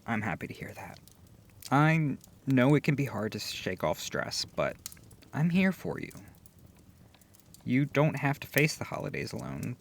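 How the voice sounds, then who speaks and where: A man playing a gentle, affectionate boyfriend in an intimate ASMR comfort roleplay, speaking softly, tenderly and reassuringly. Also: medium pitch, sing-song, vocal fry, full character voice. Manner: soft, tender, unhurried, reassuring.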